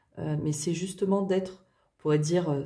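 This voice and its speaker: The woman sounds somewhat breathy with a dark, mellow tone. Her intonation stays fairly even. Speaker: tarot card reader. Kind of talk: tarot reading. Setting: on camera. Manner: slow; hesitant, many fillers.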